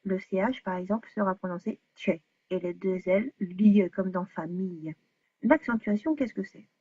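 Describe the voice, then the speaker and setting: A woman teaching pronunciation, explaining rules clearly and spelling out sounds slowly. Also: mid-range voice, a little mellow, no room sound. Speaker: Spanish teacher. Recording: dry, phone-like narrowband voice-over.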